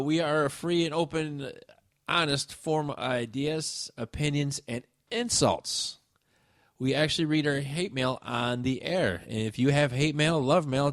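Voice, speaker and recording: Male talk show host: dry and close, wry and rambling, mid-range pitch. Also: no room sound. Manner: rambling and wry, many filler uhs. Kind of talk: casual radio talk.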